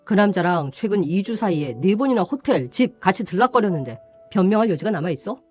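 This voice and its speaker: A woman's voice: medium pitch, animated, quick pace, soft background music, natural voice. A woman voicing a betrayed young man who speaks sternly and bluntly, in radio drama style. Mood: angry.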